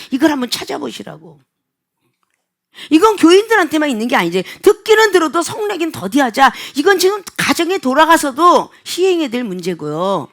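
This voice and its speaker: Animated woman pastor preaching a sermon. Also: high voice. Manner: animated storytelling with acted-out dialogue.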